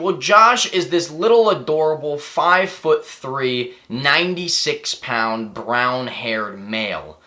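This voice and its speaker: The speaker moves very slowly, with hardly any pauses and very wide swings in pitch. Music plays in the background. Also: man, fairly high pitch for a man. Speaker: YouTube commentator. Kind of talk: commentary video. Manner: stuttering.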